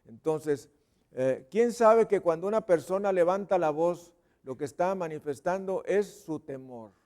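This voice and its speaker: A man's voice: sits high, animated, measured pace. A man with a Mexican accent preaching a sermon as a pastor, playfully acting out sounds and voices and dropping at times to a whisper. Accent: Mexican Spanish. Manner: playful, acts out sounds and voices with sudden loud and whispered bits. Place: church service.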